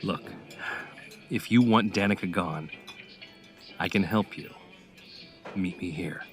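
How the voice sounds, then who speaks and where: A resolute male schemer with a very deep voice. He talks in clipped, controlled menace, in the manner of an audio drama, over prominent music. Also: takes it slowly. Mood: cold, resolute. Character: cold, resolute male conspirator plotting a trap. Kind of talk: full-cast audio drama acting.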